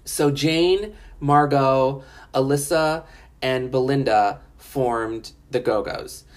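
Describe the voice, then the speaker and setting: A woman's voice: rumbling low, takes it slowly, darkish tone. A woman in Los Angeles giving a casual, chatty spoken review of a documentary, frank and often profane, with lots of fillers.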